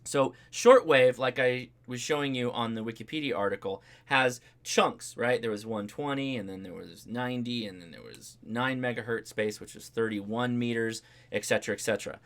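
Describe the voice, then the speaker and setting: This man, hosting a ham radio livestream, has a mid-range, slightly bright voice and talks at normal speed with few pauses. He gives a casual, hands-on demonstration and tutorial, staying informal and chatty as he explains each step. He keeps checking in with "right?" and "okay?"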